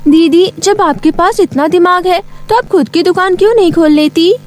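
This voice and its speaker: Grown woman doing a squeaky high little sister, chirpy and wide-eyed, cartoon story with music. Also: moderate pace, a little mellow. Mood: excited, curious. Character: chirpy, curious schoolgirl, adoring little sister.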